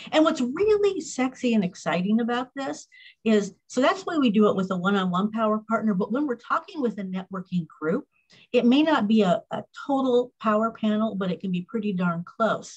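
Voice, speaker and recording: Somewhat breathy and fairly high-pitched, a woman talks at a fairly quick pace with lively intonation. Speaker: marketing coach presenter. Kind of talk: webinar presentation. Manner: animated.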